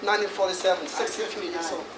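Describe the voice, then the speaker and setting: A man's voice: high voice, steady tone, fast, recorded from a distance. A man in his sixties, a feng shui master giving a jokey talk to an audience, laughing often and chatting between points. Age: 60s. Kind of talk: lively lecture to an audience. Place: hall in front of an audience. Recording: echoey hall audio from afar with noise.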